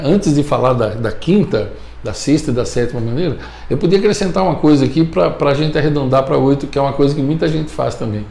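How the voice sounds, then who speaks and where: A man's voice: a little high, creaky, a little mellow, echoey room. A man with a Brazilian Portuguese accent giving an emphatic motivational talk as a communication coach, repeating his key points and often checking that listeners follow.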